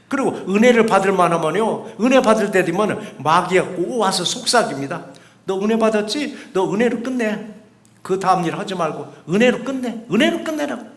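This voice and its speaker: A man's voice: sits high, fairly bright tone, reverberant. A male pastor preaching a sermon in church, asking the congregation rhetorical questions and acting out quoted voices. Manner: acts out quoted voices in dialogue. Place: church sanctuary.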